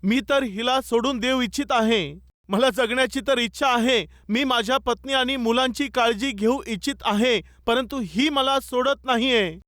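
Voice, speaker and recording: A man's voice: very high voice, normal speed, a bit bright, no room sound, clean studio sound. A preacher voicing a desperate drowning man. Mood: pleading. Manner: pleading, crying out across the water.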